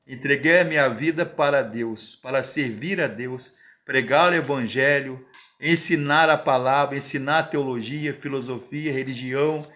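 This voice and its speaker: Man, fifties, Bible teacher, emphatic, repetitive, forceful tone. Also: fairly high pitch. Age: 50s. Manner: emphatic, repetitive, digressive, tag questions.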